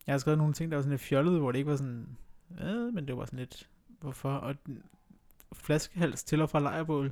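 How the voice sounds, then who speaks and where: Long, frequent pauses from a man's fairly high-pitched voice with ordinary pitch variation. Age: 20s. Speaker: podcast co-host and scout leader. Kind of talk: casual chat.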